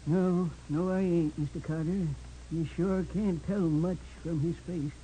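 A man's voice: fairly high pitch, fairly even intonation, a little slow, warm tone, natural voice. A man playing a folksy, obliging tourist camp keeper with rustic, colloquial speech in a 1940s radio drama. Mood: unsure. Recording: noisy vintage 1940s radio recording.

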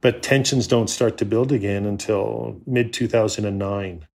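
A man's voice: fairly low pitch, steady tone, normal speed, creaky, a little mellow. A man in an interview, describing and explaining in a conversational way.

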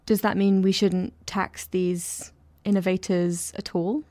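A woman's voice: medium pitch, level tone, takes it slowly, dark tone. A woman presenter who describes her surroundings as she walks, then asks conversational interview questions.

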